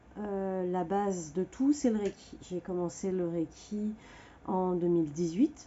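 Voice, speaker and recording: The speaker is a woman pitched at a medium level. She talks very slowly. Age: 40s. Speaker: Reiki teacher and card reader. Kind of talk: casual self-introduction vlog. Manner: halting, many filler hesitations.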